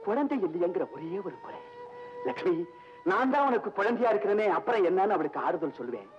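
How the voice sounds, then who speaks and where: A middle-aged actor playing a husband in an old film drama, speaking in an earnest, pleading way. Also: male voice, sits high, wildly swooping pitch, quick pace, highs cut off. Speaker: grieving husband. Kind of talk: 1970s film drama acting. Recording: old film soundtrack with music.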